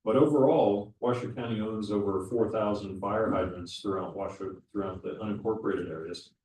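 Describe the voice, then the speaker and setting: A man with a fairly low voice walks a public meeting through his points one at a time, often restarting a phrase. He is heard from a distance in an echoey room. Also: moderate pace, a little mellow. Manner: explanatory, methodical, with frequent restarts. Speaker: county public works official presenting. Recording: echoey room, voice from far off the mic.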